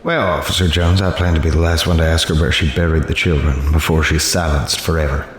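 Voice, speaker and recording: A man's voice: extremely low pitch, fairly even intonation, brisk, a little hiss or hum. An actor playing a harried, determined newspaper reporter who narrates his own story in an audio drama. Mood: grim, matter-of-fact. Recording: roomy echo, faint ambience.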